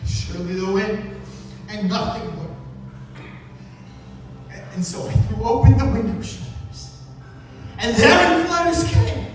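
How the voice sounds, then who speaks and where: In a very echoey, noisy hall, a man recites gothic verse from far off. His voice is high for a man. He delivers it as haunted theatre, with halting, dramatic pauses. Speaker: stage performer reciting at a live event. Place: indoor live event venue, recorded from the audience. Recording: echoey hall, distant mic, noisy room.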